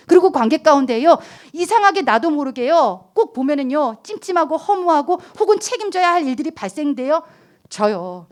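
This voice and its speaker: A woman preaching to a youth group with a high, bright voice that climbs and dips a great deal. She keeps asking her listeners questions and slips into quoted voices, then drops to a soft, low hush. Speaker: youth pastor. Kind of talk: sermon to teenagers.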